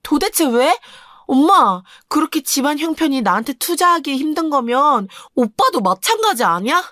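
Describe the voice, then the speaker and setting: A woman doing a high, indignant teenage girl. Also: very animated, moderate pace, sharp tone, no echo, studio quality, full character voice. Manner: pleading, indignant complaints. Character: aggrieved teenage daughter, bright and indignant.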